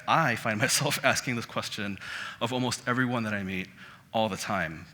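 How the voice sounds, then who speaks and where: A Korean-born man in his thirties giving a relaxed, conversational public lecture, often restarting his sentences. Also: on the low side. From South Korea. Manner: conversational, self-deprecating, many restarts. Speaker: guest lecturer. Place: auditorium. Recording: hall reverb.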